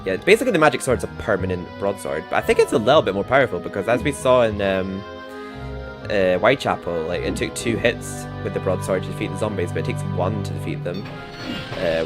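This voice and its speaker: A young man chatting casually as he livestreams a game, rambling and laughing to himself. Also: low voice. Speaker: gaming streamer. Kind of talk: casual gameplay commentary. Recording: game music playing underneath. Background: game music.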